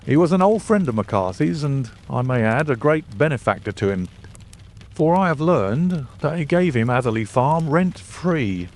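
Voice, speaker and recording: Man putting on a higher-pitched, stubborn police inspector. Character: Lestrade, stubborn, practical male police inspector. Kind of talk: storybook character dialogue.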